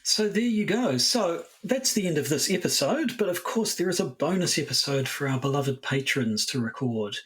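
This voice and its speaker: Higher-voiced New Zealand man podcasting. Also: lively intonation, moderate pace, hardly any pauses, breathy edge. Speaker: podcast host. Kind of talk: casual chat.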